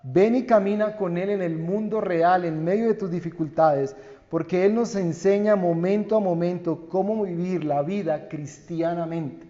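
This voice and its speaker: A Colombian pastor preaching in a church with a fairly high voice, speaking slowly and earnestly. His lines rise and then fall away into hushed phrase endings. The sound is dull, with a long reverb trailing each word. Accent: Colombian Spanish. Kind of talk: sermon. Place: church sanctuary.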